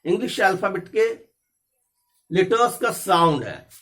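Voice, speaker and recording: A man's voice: sits high, animated, a bit bright. A man teaching a spoken English lesson, explaining each point in English and then repeating it in Hindi. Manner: slow, deliberate English examples.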